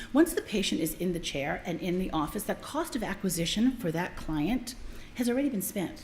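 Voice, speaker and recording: Amid noticeable background noise and audible room echo, a woman's pitch swings very widely. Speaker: aesthetics marketing consultant. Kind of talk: conference talk. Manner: fast.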